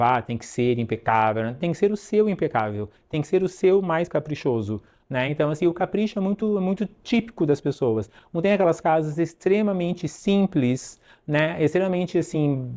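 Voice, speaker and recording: A man's voice: a little high, warm tone. A man from Brazil teaching an English lesson in a casual, rambling way, full of fillers and asides.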